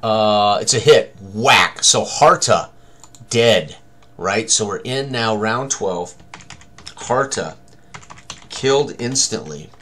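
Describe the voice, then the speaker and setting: A man's voice: fairly low pitch, expressive, slow pace, long pauses, fairly bright tone. An older man thinking aloud as game master, narrating a tabletop combat tutorial with dramatic turns of phrase. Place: small room indoors at a computer.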